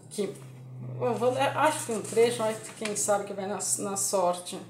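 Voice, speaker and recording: A young woman reviewing a play on her book channel, animated and laughing, stumbling as she hunts for passages. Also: medium pitch, a little slow, a little hiss or hum. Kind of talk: casual book review chat. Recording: roomy echo.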